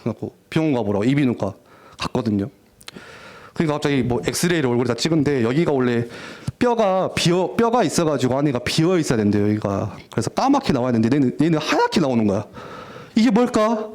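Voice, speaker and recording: A young adult man preaching to teenagers as youth pastor, telling stories in an animated way and acting out teens' voices. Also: mid-range voice, fast. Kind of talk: lively youth sermon.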